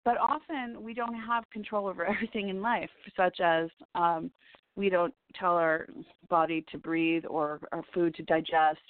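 A woman's voice: lowish voice, dry recording. Scratchy-voiced woman host on a phone line. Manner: chatty and heartfelt, with little laughs and restarts. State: scratchy, hoarse voice. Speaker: radio show host and psychic reader. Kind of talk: rambling spiritual radio monologue. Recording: tinny phone line, dry.

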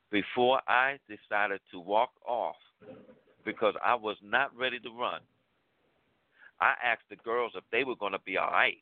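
A man's voice: lowish voice, no echo. Man telling a story over a tinny line. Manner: animated storyteller, acts out quoted lines, colloquial. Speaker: radio talk show co-host. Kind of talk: storytelling on a call-in talk show. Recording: tinny phone-line sound, dry.

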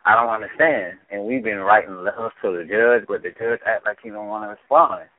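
A man's voice: on the low side, a little fast, slight background noise. A man from Trinidad and Tobago with a Trinidadian accent calling into a talk show, casual and friendly. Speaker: caller. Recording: dry tinny phone line.

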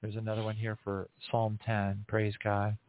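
Low-voiced man on a tinny line. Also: monotone. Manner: rambling, halting, many fillers and restarts, frequent praise interjections. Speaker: online prayer service host. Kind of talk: casual unscripted church broadcast talk. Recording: tinny phone-like audio, soft music behind. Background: faint music.

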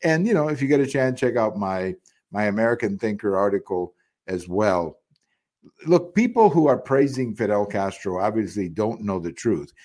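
A man's voice: on the low side, lively intonation, moderate pace, a little mellow. A middle-aged man from Cuba giving a solo political commentary, indignant and repetitive, with frequent fillers and restarts. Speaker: podcast commentator.

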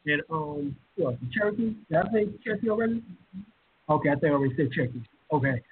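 Here the same lecturer and show host sounds a little high and speaks fast with lively intonation, a faint hiss or hum underneath. His video call audio is thin and phone-like, and his casual live-stream talk grows more emphatic, full of fillers and mounting intensity.

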